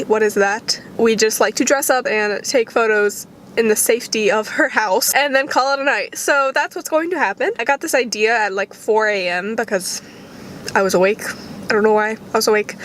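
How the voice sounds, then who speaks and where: A young woman with a fairly high voice talks casually for a vlog. Her delivery is playful and slangy, like talking with friends. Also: fairly bright tone, a little hiss or hum.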